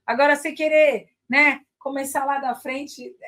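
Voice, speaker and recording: Woman, Brazilian Portuguese accent, slightly high voice, English teacher, chatty, tag questions, drops into English. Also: steady tone, a little slow, fairly bright tone. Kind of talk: casual chat to viewers.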